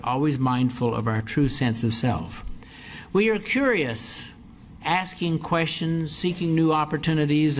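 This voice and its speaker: An older man addresses an audience in an auditorium, his voice sitting a little high. He leans on words and repeats phrases for emphasis, with a faint hiss of noise behind him. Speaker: university president. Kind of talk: formal speech, then answering audience questions.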